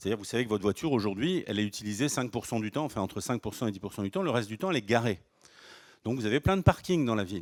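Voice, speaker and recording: A man with a medium-pitched voice talks very fast with lively intonation, in a dry, close sound with no echo and a very clean recording over a silent background. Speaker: conference speaker, tech company founder. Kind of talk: conference talk.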